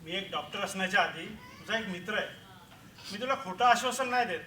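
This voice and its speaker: A young actor as a calm, steady family doctor, bright and high, stage skit heard from a distance in an echoey hall. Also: male voice, a little fast, a little hiss or hum. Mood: reassuring. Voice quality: steady, reassuring. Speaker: student actor in a school skit. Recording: roomy, far from the mic.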